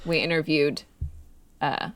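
A woman's voice: sits low, steady tone, takes it slowly, fairly bright tone, no echo. Playful woman co-host, dry close sound. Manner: playful, full of "like" fillers. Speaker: podcast co-host. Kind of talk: casual chat.

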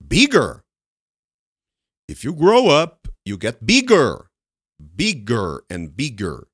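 A Brazilian man, a native Portuguese speaker with a Brazilian accent, teaches an English lesson at a very slow pace. His pitch swings widely as he repeats words and asks questions, then answers them himself. The recording is close and dry. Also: wildly swooping pitch, a bit bright, husky, no room sound.

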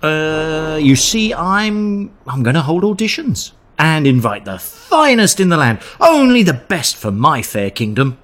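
A woman's voice: low-pitched, sing-song, a little slow, few pauses. A woman playing a sheepish, pompous, stammering king in an audio pantomime. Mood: flustered. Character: bumbling, sheepish King Arthur, henpecked husband. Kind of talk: pantomime radio acting.

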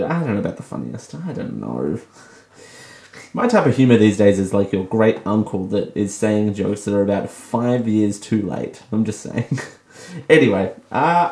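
An Australian man talks casually by himself as a radio host, self-deprecating and quick to laugh. His mid-range voice is creaky and mellow, and the room around him is echoey.

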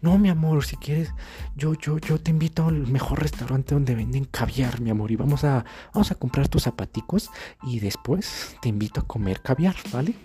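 A woman's voice: a bass voice, normal speed, warm tone, faint music behind, pitched above the performer's own voice. A woman voicing a doting, generous young boyfriend in a comedic sketch. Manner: soothing, eager to please.

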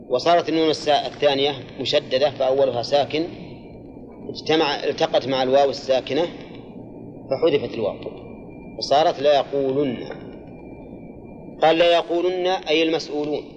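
On a muffled recording with slight background noise, an older man with a fairly high voice leads a classroom lesson in grammar and exegesis. He works through the material step by step, repeats key phrases, and puts questions to his students.

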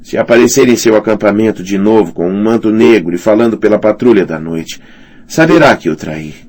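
A man's voice: on the low side, fairly quick, a little mellow, voice pushed up, close to an everyday voice. A man voicing a trapped young man who speaks in a tight, dry, lifeless voice. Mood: tense. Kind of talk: audiobook character reading.

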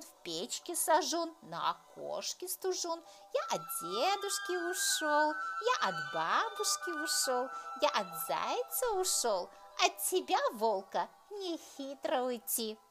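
A woman's voice: sits high, a bit bright, pitched above the performer's own voice, heavily acted. A woman voicing a cheeky little male bun who boastfully chants his song in a children's fairy tale.

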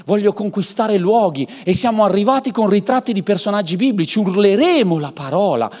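A man preaching a lively sermon, acting out people in comic voices. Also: brisk. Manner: animated, mimics people in high comic voices. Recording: long hall reverb.

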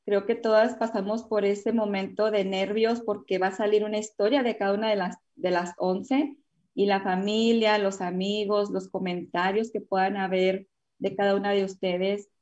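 A woman's voice: medium pitch, level tone, normal speed, a little mellow, lo-fi sound. A woman hosting a casual panel chat, chatty and full of fillers and exclamations. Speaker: host.

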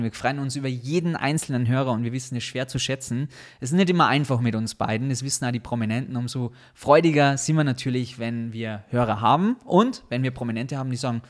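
Guy hosting a podcast, chatty and upbeat, mid pitch, talks to the listeners. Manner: upbeat, addresses listeners directly. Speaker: podcast co-host. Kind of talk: casual podcast chat.

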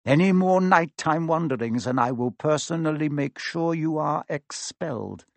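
A man voicing a cold, sneering, menacing male teacher who speaks smoothly and slowly in a storybook reading. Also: a little high, dry recording, pitched above the performer's own voice. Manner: smooth, slow, silky.

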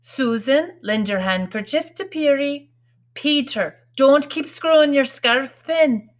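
A woman reader plays a proud working-class mother from a storybook, bossy and scolding. Her voice is raised high and she speaks very slowly and deliberately, in homely, ungrammatical phrases, as she drills manners into her brood. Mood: bossy, instructing. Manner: scolding, folksy ungrammatical speech.

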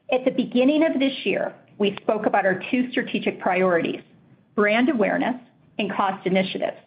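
A woman reads through financial figures in a steady, formal manner, presenting a company's quarterly results. Her voice is mid-pitched and even. The audio is a little muffled and lacks crispness. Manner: measured, formal reading of figures. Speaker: finance executive on earnings call. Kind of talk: scripted financial report.

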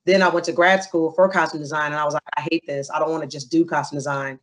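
A young woman with a slightly low voice talks through her story as an interview guest. She is animated and expressive, and she often turns to the listener with quick asides. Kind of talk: casual interview conversation.

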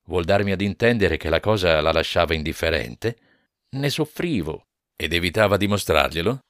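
Male audiobook narrator: deep, dry, measured and even. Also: no room sound. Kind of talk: scripted narration.

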